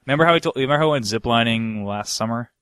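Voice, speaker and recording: A man's voice: medium pitch, rapid-fire, a bit bright, clear, resonant tone, no room sound. Slangy man swapping stories, dry sound. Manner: slangy, sweary, rambling. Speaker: podcast co-host. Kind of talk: casual anecdote-telling chat.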